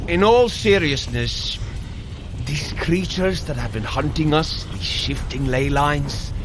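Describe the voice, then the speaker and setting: An actor playing an earnest Norse thunder god, formal and grandly declamatory, in an audio adventure drama. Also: male voice, medium pitch. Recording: clear outdoor effects noise behind.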